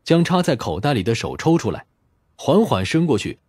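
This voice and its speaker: A man's voice: medium pitch, sing-song, moderate pace, a little mellow, husky, no room sound. A man reading a crime novel as a scripted, dramatic audiobook narration.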